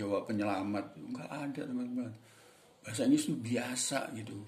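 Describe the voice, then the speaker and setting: A man's voice: fairly low pitch, vocal fry, a little mellow, roomy sound. A man teaching English in a casual, chatty way, addressing viewers as friends and sometimes mimicking other voices for examples. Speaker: English tutor. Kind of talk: casual spoken lesson.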